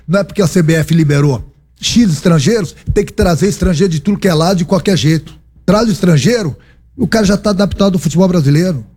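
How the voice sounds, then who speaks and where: Husky emphatic Brazilian coach. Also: male voice, high voice, a little mellow. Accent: Brazilian Portuguese. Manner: emphatic, repeats phrases, rhetorical questions. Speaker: football coach. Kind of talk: post-match press conference answers.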